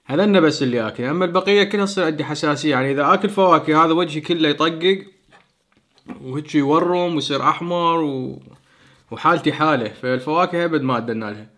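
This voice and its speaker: Fast-talking Iraqi man eating on camera. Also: on the high side, fairly bright tone. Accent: Iraqi Arabic. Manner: chatty, talks between mouthfuls. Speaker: food challenge host. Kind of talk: casual eating vlog. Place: small indoor home studio.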